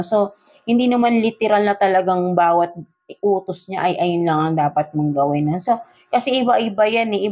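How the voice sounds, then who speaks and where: A woman's voice: mid-range voice, darkish tone. A woman with a Filipino accent giving a casual tarot love reading, switching between Tagalog and English and tagging nearly every phrase with a questioning "no?". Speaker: tarot reader.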